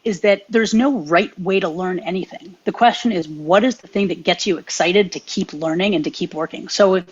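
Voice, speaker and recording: A young woman co-hosts a podcast and gives earnest, animated advice. Her voice is husky and breathy. The sound is dull and lo-fi, like a remote mic. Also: on the low side, moderate pace, hardly any pauses. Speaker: podcast co-host. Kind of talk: casual chat.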